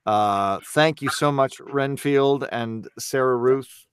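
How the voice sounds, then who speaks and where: A man hosting a podcast, relaxed and joking as he wraps up in casual chat. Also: medium pitch, takes it slowly, clear, resonant tone, no room sound, studio quality. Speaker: podcast host. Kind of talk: casual chat, wrapping up show.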